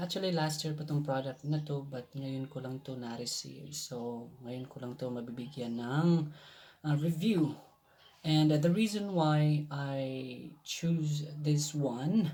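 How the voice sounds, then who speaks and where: Very slow and somewhat breathy, a man's dark, mellow voice shows ordinary pitch variation and big swings in loudness. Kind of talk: casual product review to camera.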